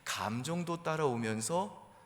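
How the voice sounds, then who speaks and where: A man's voice: a little high, lively intonation, a little slow. A man preaching a sermon to his congregation as pastor, in a conversational storytelling manner. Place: church sanctuary. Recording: reverberant church hall.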